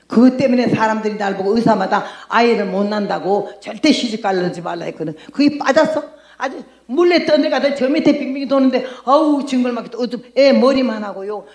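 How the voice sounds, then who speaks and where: An older woman missionary giving a lively testimony sermon, telling her story and acting out her own past words. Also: medium pitch. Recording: echoey room.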